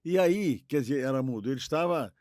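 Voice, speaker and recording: A man's voice: medium pitch, lively intonation, a little fast, a little mellow, dry recording, clean studio sound. A Brazilian man co-hosting a podcast, casually discussing radio history in a discursive, repetitive way, often seeking agreement. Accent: Brazilian Portuguese. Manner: discursive, repeats himself, seeks agreement with tag questions. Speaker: podcast co-host.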